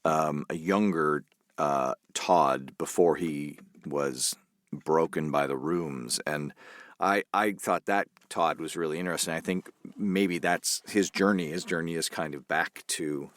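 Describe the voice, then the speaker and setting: A very deep male voice, recorded dry with hardly any room around it. He speaks as an actor being interviewed, reflective and halting as he works out his thoughts. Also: fairly bright tone, no echo.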